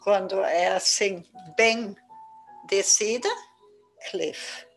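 Slow, gravelly Brazilian woman teaching English. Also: mid-range voice, fairly even intonation, faint music behind, low-quality recording. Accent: Brazilian Portuguese, gaúcho. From southern Brazil. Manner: slow, patient, repeats words for learners. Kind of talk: casual beginner English lesson.

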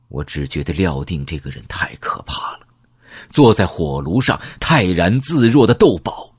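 A man's voice: sits low, slightly rough, no echo, clean studio sound. A man narrating a novel as an audiobook in a dramatic storytelling manner, dropping to a whisper for grim details.

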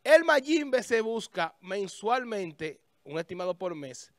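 A man hosts a casual studio talk show, speaking high in his range into a stand mic. The sound is dry and close. He thinks out loud, restarting phrases while he looks things up. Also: big pitch swings, slow, no room sound. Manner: talks while searching a website, thinking aloud with restarts. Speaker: show host. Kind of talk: casual on-air chat. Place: small studio with a festive desk.

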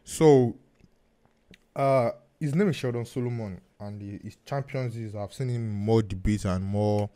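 A man with a Nigerian accent hosting a podcast interview, speaking haltingly with many restarts and fillers. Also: fairly low pitch, warm tone. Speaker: podcast host.

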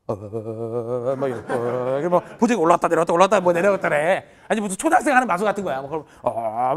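A man who teaches math, telling a funny story to his class in a lecture and acting out his students' lines. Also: fairly high pitch. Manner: animated, laughing while telling a story, acts out students' lines.

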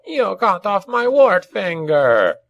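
A snarling goblin shaman, raspy and pitched high, drawing his words out slowly. He is menacing and aggrieved, with coarse street grammar, straight out of a fantasy audiobook. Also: huge pitch swings, dry recording, dull audio, full character voice. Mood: shrieking outrage. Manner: rough, ungrammatical street speech. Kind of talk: acted audiobook dialogue.

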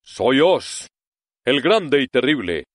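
A man's voice: mid-range voice, sing-song, takes it slowly, no echo, voice pushed up. Guy doing a shaky little old fake wizard, begging and humble, storybook voice, lots of ups and downs. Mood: trembling pleading. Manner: trembling, pleading voice. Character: timid old bald male humbug wizard.

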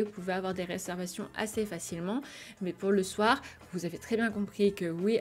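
A woman's voice: medium pitch, a little mellow. Chatty French woman vlogger voice-over. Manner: chatty, many fillers and restarts. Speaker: vlogger reviewing restaurants. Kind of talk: voice-over review, partly read descriptions.

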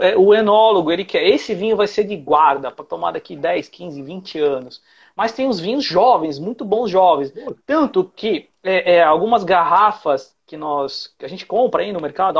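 A man's voice: high-pitched, creaky, breathy edge, lo-fi sound. A man in his forties with a Brazilian Portuguese accent, patiently explaining wine as a guest on a video call from his living room. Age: 40s. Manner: explains patiently, many fillers. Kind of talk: explanatory interview answers. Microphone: earphone mic on video call.

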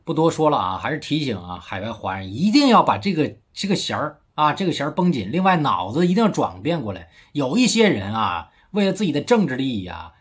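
A man from China delivers a casual political commentary into his phone, emphatic and mocking. His husky voice swings widely up and down as he leans on rhetorical tag questions. It sounds like a solo vlog recorded indoors. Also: medium pitch, big pitch swings, fairly quick, few pauses.

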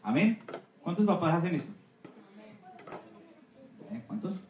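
A missionary pastor giving a Sunday school sermon, often asking the congregation for agreement with amen and right. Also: male voice, fairly high pitch, big pitch swings, a little slow, a little mellow, far from the mic. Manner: asks the congregation for assent, repeating amen and right. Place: church hall. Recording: echoey room, voice from off-mic.

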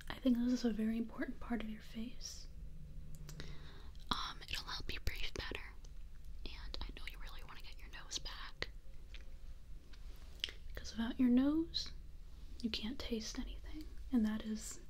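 A young woman in her twenties doing a whispered role-play as a face clinic worker, speaking softly, gently and reassuringly from a small bedroom. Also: fairly high pitch, a little slow, pauses often. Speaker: ASMR artist.

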